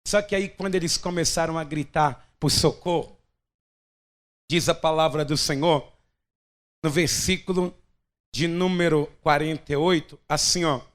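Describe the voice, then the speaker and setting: High-voiced pastor preaching. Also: male voice, a little slow, long pauses. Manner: emphatic, dramatic preaching. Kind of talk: sermon.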